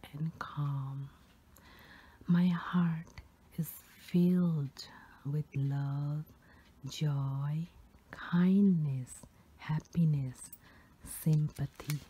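A woman softly whispering a soothing pep talk of first-person affirmations, as in an ASMR meditation, in a breathy voice. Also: low voice, fairly even intonation, very slow.

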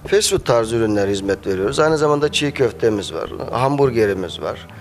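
A man in his thirties who runs a small cafe fumbles through interview answers with lots of filler sounds, talking into a handheld mic held by the interviewer. He's brisk and medium-pitched with big pitch swings, and faint music plays.

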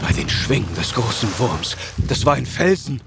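An actor playing an uneasy seafarer in a foggy fantasy audio drama. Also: male voice, medium pitch, very animated, moderate pace, vocal fry, very noisy. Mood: startled.

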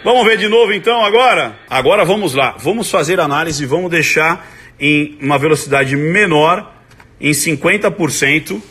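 A Brazilian man giving excited live commentary as a body language analyst, breaking into sudden shouts. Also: fairly high pitch, normal speed. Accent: Brazilian Portuguese.

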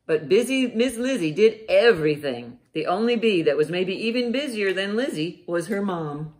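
Middle-aged female storytime host, very animated intonation, child-directed delivery, roomy living-room sound. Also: mid-range voice. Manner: expressive, deliberate, child-directed. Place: living room, indoors by a fireplace.

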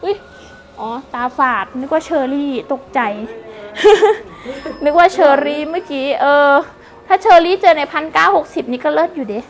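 High-pitched woman, hyped live seller. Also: moderate pace. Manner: excitable, gushing, repeats prices and order codes; chatty, addresses viewers with polite endearments. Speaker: live-stream seller of wholesale second-hand clothing. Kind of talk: fast hype live-sale pitch to customers.

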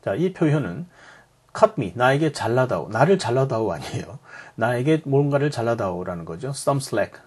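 A man's voice: mid-range voice, sing-song, normal speed, darkish tone, slightly rough. A man teaching English expressions in Korean, explaining each phrase and then repeating it in English.

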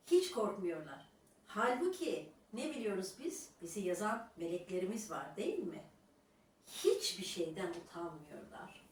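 A woman's voice: fairly low pitch, a little hiss or hum. Scolding woman, roomy and distant. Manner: scornful, lecturing, with repeated rhetorical "Ha?". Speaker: YouTuber addressing her critics. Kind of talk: scolding monologue to viewers.

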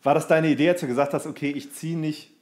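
A man in his thirties co-hosting a podcast in relaxed, informal conversation. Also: a little high, fast talker. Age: 30s. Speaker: podcast co-host. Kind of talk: casual chat.

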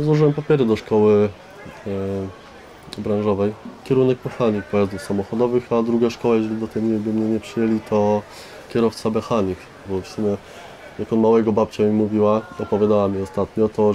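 Young man, monotone and relaxed, informal, candid testimony. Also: fairly low pitch, fairly quick. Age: teenager or young adult. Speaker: resident of a youth care centre. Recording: faint background noise.

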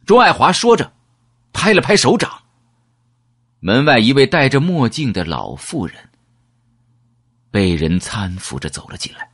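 A man narrating an audiobook in the first person, measured and dramatic. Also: medium pitch, big pitch swings, fairly bright tone, breathy edge, no room sound, clean studio sound.

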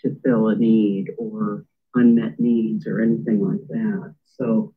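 A man's voice: fairly low pitch, flat delivery, slow pace, slightly rough. A council member, a man, speaking casually and hesitantly in a meeting discussion, heard over thin phone-like audio.

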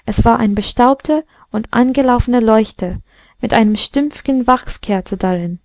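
A woman narrating a fairy-tale audiobook in a measured, calm reading. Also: on the high side, no room sound. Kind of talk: scripted storybook narration.

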